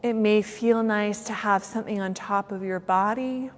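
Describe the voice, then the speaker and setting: Woman guiding meditation in long reverb. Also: medium pitch. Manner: unhurried phrasing with long pauses. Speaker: yoga teacher. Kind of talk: guided meditation.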